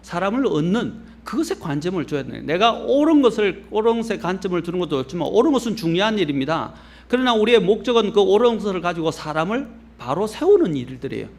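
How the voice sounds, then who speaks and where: A middle-aged male pastor from Korea's Gyeongsang region with a faint Gyeongsang accent, giving a measured, earnest sermon that rises to stress points and drops low at phrase ends. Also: sing-song, darkish tone.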